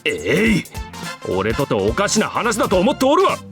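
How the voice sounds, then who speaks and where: An actor playing a stiff, earnest high school boy who speaks in a formal, old-fashioned way in a visual novel. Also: wildly swooping pitch, fast, over music, heavily acted. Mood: flustered indignant. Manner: formal, archaic wording, stern. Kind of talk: Japanese visual novel voice acting.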